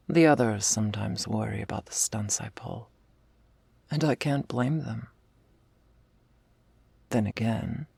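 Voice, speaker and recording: A woman voicing a tough but secretly tender female half-orc commander in a slow, confessional ASMR role-play, with a husky, gravelly, breathy voice. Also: rumbling low, no echo, exaggerated voice. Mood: earnest, confiding. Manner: slow confessional delivery, often dropping in a soft voice.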